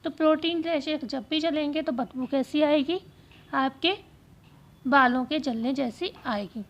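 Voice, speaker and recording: A woman teacher going through exam questions, speaking slowly and repeating key phrases so students can write them down. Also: high-pitched, dull audio. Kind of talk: exam-prep lesson.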